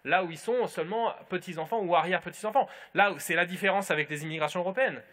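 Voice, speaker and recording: A man speaking on a conference panel, his voice bright and ringing, a touch higher than most men. He thinks aloud as he goes, with frequent restarts and fillers. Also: fast talker. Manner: thoughtful, many restarts and fillers.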